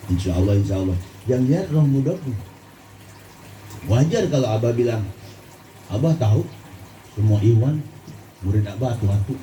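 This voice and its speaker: Man preaching a lively sermon with a lilt. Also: a little hiss or hum. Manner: lively, asks the audience questions, swings between low and high pitch. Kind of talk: Sufi religious sermon. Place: gathering in a hall. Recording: echoey room, voice from far off.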